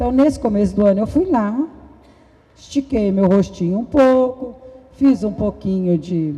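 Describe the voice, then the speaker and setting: Pitch swings very widely at a moderate pace. Background noise is noticeable. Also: woman. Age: 60s. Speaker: business owner. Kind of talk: panel discussion.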